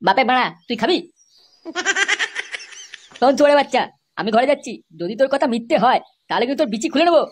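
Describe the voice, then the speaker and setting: Man playing a young cartoon rogue, swearing, short-fused, high processed voice, very fast, slight noise. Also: animated. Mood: aggressive. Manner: aggressive, swearing. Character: hot-tempered, foul-mouthed young husband, a cartoon rogue.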